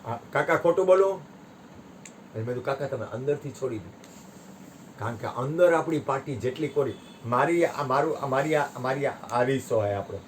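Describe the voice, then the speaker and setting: A man leads a satsang, his voice sitting at an ordinary middle pitch. He tells parables with animated swings, jumping up loud and high, then sinking to quiet asides. A faint background hiss runs under the talk. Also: normal speed, long pauses. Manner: animated storytelling, voice rising and dropping sharply. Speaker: spiritual teacher. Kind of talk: satsang discourse with storytelling.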